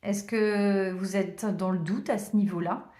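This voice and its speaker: A woman giving a casual tarot card reading to her viewers, chatty and hesitant, often pausing with "euh". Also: medium pitch, fairly even intonation. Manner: chatty, warm thanks, many hesitations and small laughs. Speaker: tarot reader. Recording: roomy echo.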